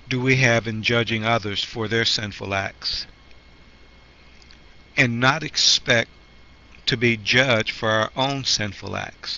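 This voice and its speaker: A man who is a pastor, coming down with a cold, teaching a Bible study in a slow, halting way, clearing his throat often. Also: medium pitch, sharp tone. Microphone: handheld microphone. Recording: muffled lo-fi recording with faint noise.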